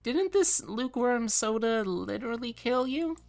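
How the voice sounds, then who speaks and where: Woman putting on a high, jittery mothman. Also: animated, moderate pace, creaky, darkish tone, no room sound. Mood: nervous. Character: jittery male mothman co-host, eager, nervously chipper.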